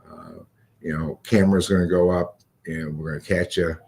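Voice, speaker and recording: A male police chief talks in a radio interview with an extremely low, husky voice. He speaks haltingly and repeats short phrases for emphasis. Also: fairly even intonation, a little mellow.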